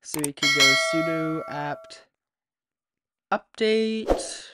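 A man hosting a tech tutorial, walking through software setup step by step as a voice-over at a USB desk microphone. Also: fairly high pitch, extremely slow, very noisy. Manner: steady step-by-step instruction. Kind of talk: screen-recorded software tutorial.

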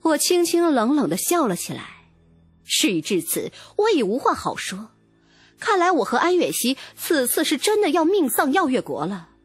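A woman giving an expressive, dramatic first-person audiobook narration. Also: high-pitched, normal speed, no room sound, faint music behind.

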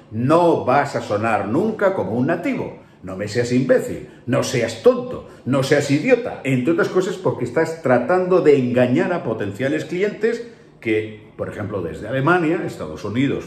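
A man's voice: mid-range voice, a little mellow. A male voice-over artist from Spain with a Spain Spanish accent, ranting emphatically and scolding in an opinionated commentary. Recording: echoey room.

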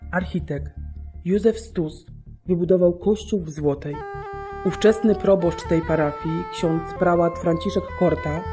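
A woman narrating a scripted documentary radio drama in a measured, solemn, clearly articulated way. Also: on the low side. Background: music.

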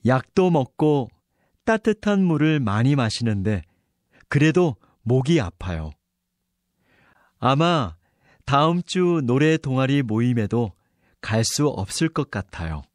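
A man reading his part of a scripted listening-test dialogue clearly and evenly. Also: mid-range voice, big pitch swings, slow, no room sound, clean studio sound. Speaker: dialogue reader on a Korean listening exam.

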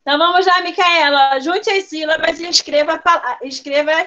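A woman's voice: very high-pitched, steady tone, normal speed, noisy background. A woman teacher running an online class for young children, coaxing and prompting pupils by name over a video call. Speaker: first-grade teacher. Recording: dull lo-fi video call audio.

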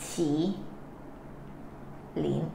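A woman teaching vocabulary live, patiently explaining character strokes and quizzing her viewers. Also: very slow. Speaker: Chinese language teacher. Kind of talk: live-streamed vocabulary lesson. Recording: echoey room, faint noise.

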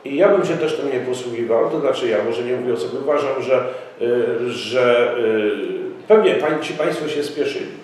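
A middle-aged man speaks at a press conference in a formal, insistent way, often pausing with fillers. He sits in an office room, picked up by a camera mic set well back. The room is strongly echoey, with faint ambient noise behind him. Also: medium pitch, a little mellow, distant mic. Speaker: local party representative. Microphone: far camera mic.

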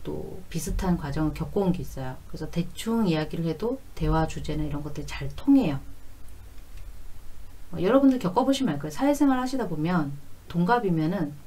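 A woman's voice: deep voice, animated, a little fast, warm tone, low-quality recording. A woman in her forties giving a conversational explanatory lesson, going step by step and repeating key phrases. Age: 40s. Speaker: fortune-telling teacher.

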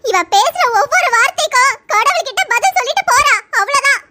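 A woman's voice: very high voice, lively intonation, fairly quick, noisy background. A woman voicing a bitter, scornful middle-aged mother in a cartoon, complaining about her daughter. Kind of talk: cartoon voice acting.

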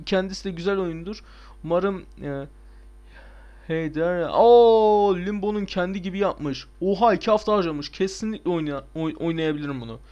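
A young man giving casual, excitable gameplay commentary, swearing and shouting at the game. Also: sits high, normal speed, highs cut off. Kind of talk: casual let's play commentary.

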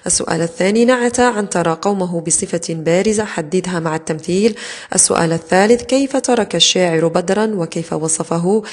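Woman, teacher, recorded lesson, methodical, repeats words slowly, lowish voice. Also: darkish tone. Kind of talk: recorded lesson explaining exam answers.

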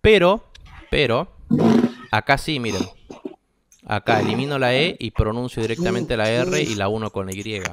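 A man's voice: lowish voice, expressive, moderate pace, a bit bright, no echo. A young Argentine man teaching English in a classroom, explaining step by step and checking that students follow. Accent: Argentine Spanish. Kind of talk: classroom lesson.

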